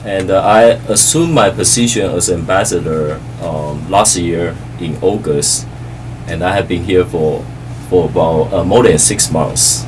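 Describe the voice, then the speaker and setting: A middle-aged man from Taiwan, an ambassador, answering interview questions politely and haltingly with many fillers. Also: low-pitched, far from the mic, background noise.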